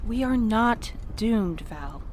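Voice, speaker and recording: A woman's voice: a little high, expressive, slow, slight background noise. An actress playing an earnest, romantic, stubborn woman courier, emotionally open, in a naturalistic audio drama.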